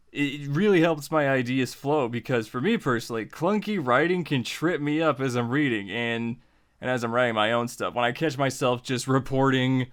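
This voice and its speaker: A man teaches in an informal, chatty tutorial style, with a middling pitch. He leans on repeated phrases to drive points home and talks to the listener directly, as a host would. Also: smooth. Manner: informal, repeats phrases for emphasis, acts out example remarks. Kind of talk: casual, conversational writing lesson.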